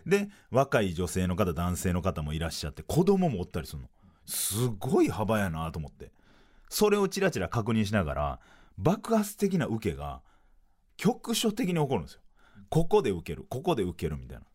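A man with a Kansai accent, hosting a podcast and telling a story in a casual, animated way. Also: moderate pace, husky. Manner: animated, sing-song delivery with swooping pitch. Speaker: podcast host, comedian.

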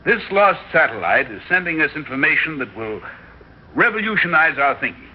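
An assured professor, played by a man, lays out his findings in a slightly high voice. He sounds sure of himself as he explains. The old radio-play recording is dull, with a faint hiss behind it. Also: sing-song, brisk. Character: confident male professor explaining a discovery. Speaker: scientist. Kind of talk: vintage radio drama.

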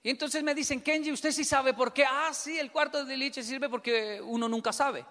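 A man's voice: extremely high pitch, normal speed. A Colombian man telling funny stories to an audience and acting out both sides of each conversation. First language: Spanish. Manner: animated storytelling, acts out both sides of dialogues. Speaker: speaker. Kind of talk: humorous talk to an audience. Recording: long hall reverb.

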